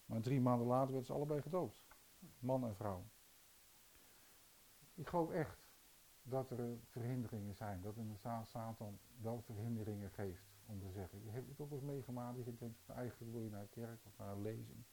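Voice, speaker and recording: A man's voice: mid-range voice, a little fast, warm tone, a little hiss or hum, rough recording. A man preaching a sermon, telling stories and putting rhetorical questions to his listeners. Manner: storytelling, rhetorical questions to the audience.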